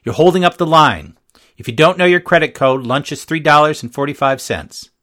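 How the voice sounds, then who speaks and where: A man's voice: fairly low pitch, very animated, normal speed, a bit bright, breathy edge, full character voice. A man voicing a bored, scornful middle-aged lunch lady who snaps and grumbles, in a storybook reading. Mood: snappish. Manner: snappish, grumbling.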